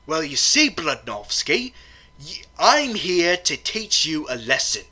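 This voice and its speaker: A woman's voice: low voice, big pitch swings, slow pace, bright, forceful tone, slightly rough, full character voice. A woman playing Lucifer, a boastful, teasing devil supervillain, in a theatrical, emphatic comedy skit style. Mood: casual, teasing.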